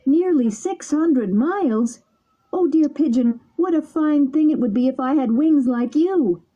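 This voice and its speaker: Lady doing a wooden puppet boy, high and whiny and pleading, kinda muffled lo-fi sound. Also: measured pace, mellow. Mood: eager. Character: sobbing wooden boy puppet, desperate and impulsive. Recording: dull lo-fi recording.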